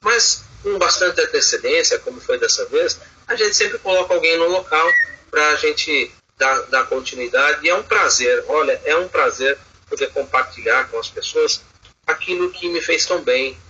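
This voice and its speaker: A man's voice: fairly high pitch, lively intonation, normal speed, sharp tone, breathy edge, muffled recording. A man speaking earnestly as a guest in an online study group, hesitant with many fillers and restarts, over a video call.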